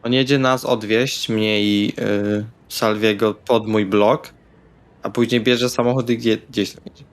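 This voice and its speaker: A man's voice: on the low side, fairly even intonation, measured pace. A man speaking casual, blunt in-character dialogue as a tabletop roleplay player.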